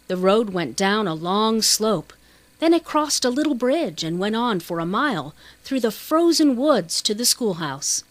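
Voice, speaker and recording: Female audiobook narrator, mid-pitched voice, scripted storybook read, close dry sound. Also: sing-song, measured pace, dry recording.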